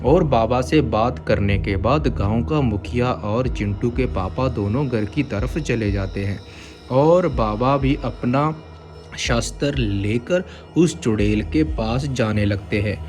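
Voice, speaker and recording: A man's voice: medium pitch, slow, music in the background. A man giving scripted narration as the storyteller of a tale.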